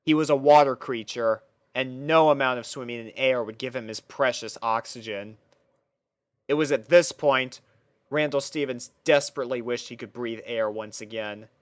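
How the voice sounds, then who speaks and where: A man's voice: mid-range voice, a bit bright, clear, resonant tone, no echo. A man narrating a scripted fan fiction story as a reader.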